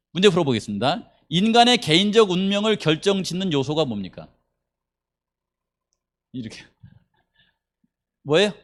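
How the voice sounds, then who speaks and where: A male pastor teaching a Bible doctrine class, talking conversationally and asking questions he answers himself. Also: medium pitch. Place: small rural church.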